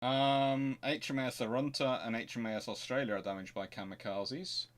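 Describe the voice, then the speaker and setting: A man with a medium-pitched voice presents as host of a history show. His delivery is informal and unpolished, with self-corrections as he works through questions and passages. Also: fairly even intonation, normal speed. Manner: hesitant, thinking aloud, self-correcting. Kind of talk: informal question-and-answer talk and reading aloud from books.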